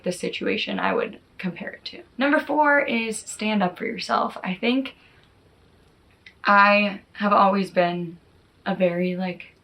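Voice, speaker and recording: Girl early 20s doing a chatty vlog, kinda lower voice, says like and you know a lot. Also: fairly bright tone. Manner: informal, peppered with "like" and "you know". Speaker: YouTube vlogger. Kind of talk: casual chatty talk to camera.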